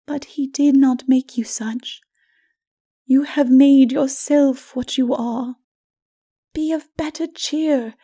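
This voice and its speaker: A woman voicing a grave, gentle woman of sorrow in a dark fantasy audiobook, speaking slowly and solemnly. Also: high voice, dry recording, clean studio sound, pitched above the performer's own voice. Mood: gentle, firm. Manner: gentle, slow, solemn, partly breathy.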